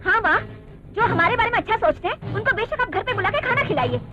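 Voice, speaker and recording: A defiant, accusing young daughter. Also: female voice, very high-pitched, lively intonation, quick pace, music in the background. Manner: sharp, accusing. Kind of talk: Hindi film dubbing. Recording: muffled film audio with score.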